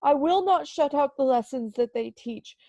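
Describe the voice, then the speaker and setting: A woman's voice: sits high, lively intonation, normal speed, dark tone, no room sound, dull audio. A woman playing an old male miser, giddily reformed and penitent, in an amateur dramatic reading full of exclamations. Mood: pleading, fervent. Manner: exclamatory, effusive.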